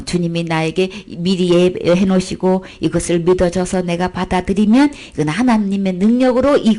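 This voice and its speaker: A woman's voice: a little high, a little mellow. A woman teaching a daytime church Bible lesson, coaxing her listeners with one rhetorical question after another.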